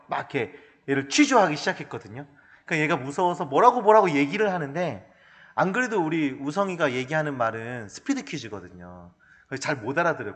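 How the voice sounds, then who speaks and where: Animated male pastor in a reverberant hall. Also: fairly high pitch. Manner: animated, humorous storytelling. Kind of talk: sermon.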